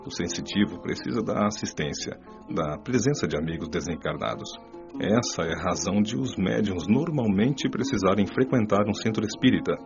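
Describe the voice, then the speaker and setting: A patient male counselor played by an actor explains in a measured, instructive way. His voice is fairly low, and plucked guitar plays clearly behind the slightly dull audio drama recording. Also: natural voice. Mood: calm teaching. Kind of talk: audiobook radio drama acting.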